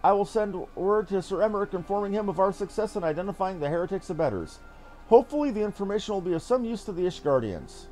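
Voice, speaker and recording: A man's voice: high-pitched, animated, fast, a little mellow, low-quality recording. A man voicing a dutiful military captain who reports in formal, archaic words. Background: game music.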